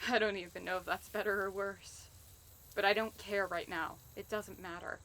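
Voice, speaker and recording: A woman's voice: medium pitch, steady tone, a little slow, pushed and bright, slight background noise. A woman playing a determined but wounded wartime agent in an audio drama, earnest and emotional. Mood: hurt, pleading. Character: determined, wounded female wartime agent rescuing her lover.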